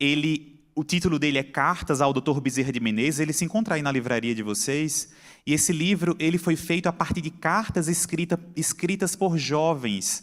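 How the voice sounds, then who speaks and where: Speaking in a Pernambuco accent, a man keeps a moderate pace with hardly any pauses. His pitch variation is ordinary. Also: fairly high pitch for a man. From Pernambuco, northeastern Brazil. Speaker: psychiatrist giving a spiritist talk. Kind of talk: lecture. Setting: stage with audience.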